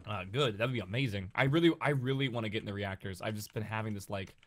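A man's voice: fairly low pitch, fast. A man co-hosting a gaming series, chatting casually and thinking aloud while he plays. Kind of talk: casual gameplay chat.

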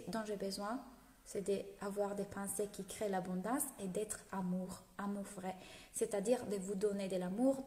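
A woman's voice: medium pitch, mellow. A woman in her thirties with an Italian accent, a business coach talking live to her followers on a phone held at arm's length at home, laughing often and greeting viewers as she goes. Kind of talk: live video talk to followers. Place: home room indoors. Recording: echoey room with long reverb.

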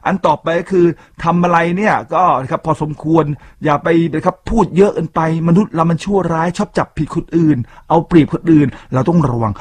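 A man's voice: on the high side, slight background noise. A man hosting a radio talk show, talking chattily to his listeners with frequent asides. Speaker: radio host.

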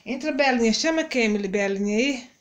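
A woman's voice: fairly high pitch, fairly quick. A middle-aged woman with a Brazilian accent, chatting casually to viewers in a home vlog while tidying her kitchen at night. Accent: Brazilian Portuguese. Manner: chatty, addresses viewers as "gente". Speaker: vlogger. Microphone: handheld phone camera. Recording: noisy with clattering dishes.

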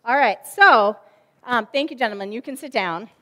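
A woman's voice: fairly high pitch, lively intonation, normal speed, fairly bright tone. A woman in her forties, a children's ministry director, giving a chatty object lesson sermon from a church stage with lots of fillers.

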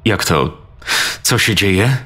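A man narrating a scripted horror story in a tense, measured voice, close to a studio mic. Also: low voice, expressive, crowd noise.

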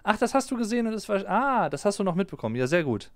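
Fast and high-sitting, the voice belongs to a German man in his 30s hosting a stream, relaxed and chatty as he reads out and answers live chat comments. The casual session comes from a small home streaming room, recorded dry on a close boom-arm desk mic with no room sound.

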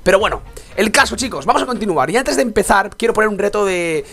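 Young man, congested, gaming commentary, muttering then yelling, lively pitch. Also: fast, gravelly, soft background music. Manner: swings from muttering to excited outbursts. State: congested with a sore throat. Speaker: gaming YouTuber. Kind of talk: let's play commentary.

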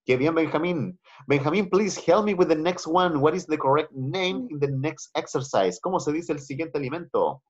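Profesor chileno de inglés, voz ronca. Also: male voice, on the high side, lively intonation, moderate pace, few pauses, slightly rough. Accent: Chilean Spanish. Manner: patient, switches between Spanish and English, repeats phrases. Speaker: English teacher. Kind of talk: online class teaching. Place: home, video call. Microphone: computer mic on a video call. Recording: dull lo-fi video call audio.

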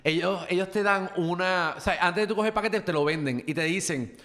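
High-voiced Puerto Rican host. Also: male voice, fairly quick, fairly bright tone, big-room sound. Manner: chatty, laughs easily. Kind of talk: casual chat.

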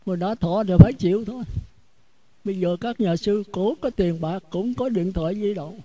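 A man's voice: high-pitched, moderate pace, dark tone, a little hiss or hum, poor audio. A Buddhist monk with a Southern Vietnamese accent giving a blunt, outspoken sermon, often repeating words as he searches for the next one.

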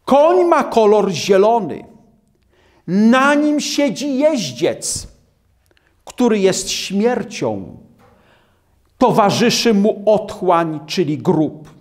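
A man preaching a sermon on scripture in a slow, emphatic way, with dramatic drops in his voice. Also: high voice, very animated.

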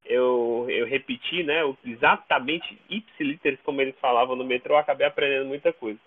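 Tinny phone-line Brazilian man, halting. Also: medium pitch, fairly even intonation, slightly rough. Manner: halting, repeats words while searching. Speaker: podcast guest. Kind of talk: casual interview chat. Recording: narrow, tinny phone-like call audio.

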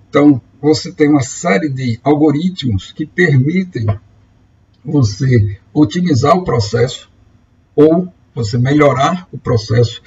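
A man's voice: medium pitch, darkish tone. A man giving a lecture over slides, explaining step by step and often restarting words. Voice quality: husky, gravelly. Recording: dull lo-fi recording.

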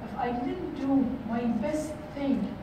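Woman, middle-aged, high voice, motivational workshop talk, echoey conference room, far-off camera, noisy. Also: slow pace. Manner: earnest, repeats phrases, many fillers. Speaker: workshop speaker. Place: large hotel conference room.

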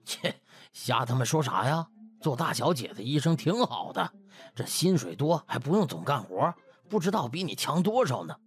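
A man doing a flustered, husky butler. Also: medium pitch, very animated, normal speed. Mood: irritated. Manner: coaxing superiors, snapping at underlings. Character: flustered, placating, bossy male house butler. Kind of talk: comic audiobook acting.

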